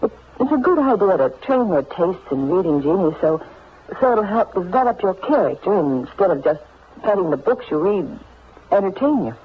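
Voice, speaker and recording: An actress playing a gentle, sensible, motherly sweetheart in a radio soap, soothing and a little halting, full of endearments. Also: mid-range voice, big pitch swings, lightly acted. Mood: kindly advising. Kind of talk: 1940s radio soap acting. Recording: muffled, noisy old radio recording.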